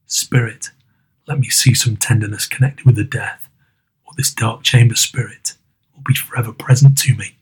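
A man voicing a frightened elderly male miser, speaking in a husky, hushed way. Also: fairly low pitch, steady tone, moderate pace, pitched below the performer's own voice. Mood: fearful.

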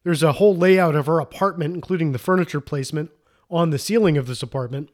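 A man's voice: a little high, fast talker, a little mellow. A man co-hosting a casual movie podcast, recapping the plot in a rambling, enthusiastic way with frequent restarts. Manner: rambling, self-interrupting, enthusiastic. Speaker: podcast co-host.

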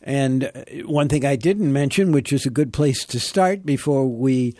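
A male podcast host introducing and interviewing a guest, speaking haltingly with many fillers. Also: medium pitch, warm tone, no room sound.

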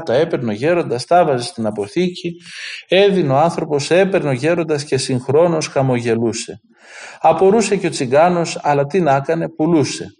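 A man preaching, telling stories of an elder in an earnest way and acting out the dialogue. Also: on the high side. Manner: earnest, lively quoting of dialogue. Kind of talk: sermon storytelling.

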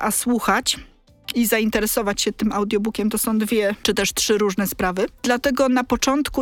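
Unhurried middle-aged woman, searching for words. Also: on the high side, no room sound. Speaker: librarian in a talking-book department. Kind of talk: casual podcast conversation.

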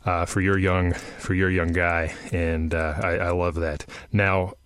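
Man, 30s, radio host, low voice, dry studio sound, chatty. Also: flat delivery, unhurried, fairly bright tone, smooth, no echo. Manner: friendly, rambling, with frequent restarts. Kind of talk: radio interview hosting.

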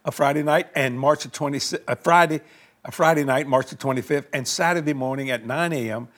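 A man's voice: mid-range voice, brisk, fairly bright tone. An older man, hosting a Christian TV talk show in a folksy, colloquial way and leading a prayer. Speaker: televangelist host.

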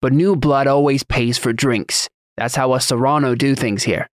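A man's voice: medium pitch, steady tone, normal speed, no room sound, clean studio sound, lightly acted. A man voicing a reckless young dockworker bully in a fantasy audiobook, taunting and swaggering in slangy speech. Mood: smug, mocking.

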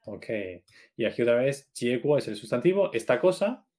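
A man's voice: medium pitch, expressive, a little fast, darkish tone. A man co-hosting a Chinese lesson podcast, asking questions and checking what he has understood in casual chat. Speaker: co-host of a Chinese learning podcast.

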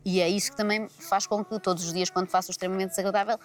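A woman's voice: medium pitch, flat delivery. A woman with a European Portuguese accent, a comedian chatting in an interview with a skeptical, ironic manner. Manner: ironic, skeptical, quick-talking. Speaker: comedian guest. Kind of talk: casual interview talk. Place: large empty arena.

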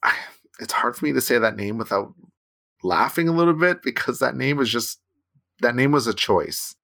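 Bright-voiced Canadian man chatting. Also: mid-range voice, animated, normal speed, creaky. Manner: rambling, with frequent restarts and "right?" tags. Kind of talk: casual chat.

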